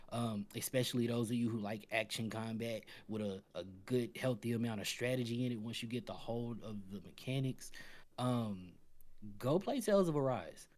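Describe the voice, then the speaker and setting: A man talking casually as a gaming livestream panelist, telling stories and making recommendations in an animated, slangy, joking way. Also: medium pitch.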